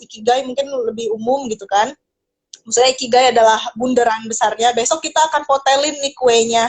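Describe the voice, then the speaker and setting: A woman with a high pitch speaks at a fairly quick pace with fairly even intonation. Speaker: live stream host. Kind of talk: casual chat. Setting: social media live video.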